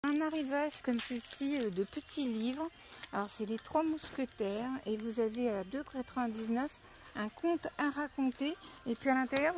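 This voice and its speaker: A woman's voice: sits high, noisy background. A woman walking through a discount store and chatting enthusiastically about the items on the shelves, with lots of fillers along the way. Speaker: shopping vlogger. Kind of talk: casual store haul walkthrough.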